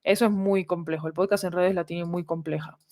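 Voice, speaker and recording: A woman's voice: lowish voice, steady tone, a little fast, mellow, no echo, studio quality. A woman, speaking as an interview guest and explaining ideas articulately, point by point. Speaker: interview guest, audio fiction creator.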